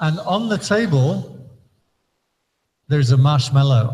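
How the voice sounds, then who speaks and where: In an English accent, a man speaks fairly slowly at a medium pitch, his dark, mellow tone somewhat breathy and his intonation lively, with audible room echo. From England. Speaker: Buddhist Dharma teacher. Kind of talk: Dharma talk to children.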